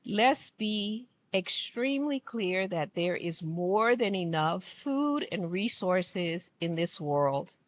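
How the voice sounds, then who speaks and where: A woman from Liberia giving an earnest, emphatic speech at an event, speaking slowly. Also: mid-range voice, animated. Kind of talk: formal public speech. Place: conference room.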